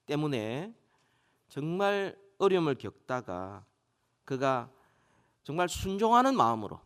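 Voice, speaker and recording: A man preaching in a church with a fairly high, very animated voice that climbs and swells on the words he stresses. He slows right down for emphasis, then picks back up. The sound rings with the long reverb of a large sanctuary. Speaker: pastor. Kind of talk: sermon.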